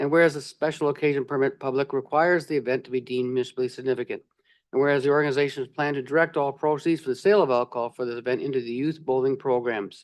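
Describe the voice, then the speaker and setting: A man's fairly high voice, fairly even in intonation, at a very fast pace. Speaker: city councillor. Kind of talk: reading a motion aloud.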